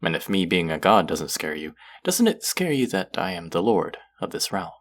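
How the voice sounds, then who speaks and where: A man playing an aloof, lonely lord of the underworld who is secretly soft, speaking formally and wryly to the listener in an intimate audio roleplay. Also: low-pitched, big pitch swings, moderate pace, heavily acted. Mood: imperious, curious. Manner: formal, wry, guarded, addressing the listener directly.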